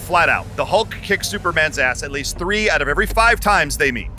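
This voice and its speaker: A man's voice: a little high, lively intonation, a little fast, pushed and bright. An actor, a man, playing a cocky, argumentative superhero geek in an audio drama, with car noise behind him.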